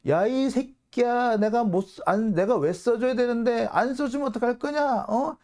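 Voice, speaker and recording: A man acting out a blustering, swearing middle-aged businessman who bullies and shouts. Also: very high-pitched, normal speed, pitched above the performer's own voice. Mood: furious. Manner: shouting, coarse, bullying.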